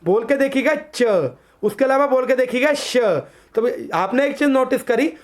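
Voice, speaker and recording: A woman with a high voice leads an exam coaching lesson, drawing out letter sounds slowly so viewers can copy them. She asks her own quiz questions and drops her voice to give each answer. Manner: poses quiz questions, then answers them herself in a lower voice; addresses viewers as friends. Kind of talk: online exam-prep lesson.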